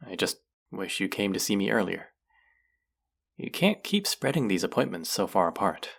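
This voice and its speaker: An actor plays a caring clinic guide in a roleplay audio drama. The voice sits low, with a gravelly creak at the edges. The delivery is soft-spoken and concerned, gently scolding a patient while looking after them. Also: very animated, moderate pace, full character voice. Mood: concerned, chiding. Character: caring, gently stern clinic guide who heals espers. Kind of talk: roleplay audio drama, speaking softly to the listener.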